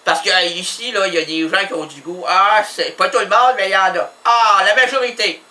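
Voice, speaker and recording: Québécois male radio host, high bright voice, joking and rambling. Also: brisk, recorded from a distance. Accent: Québécois French. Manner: rambling, jokey, many restarts; animated, does voices. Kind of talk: comic radio monologue. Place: radio studio.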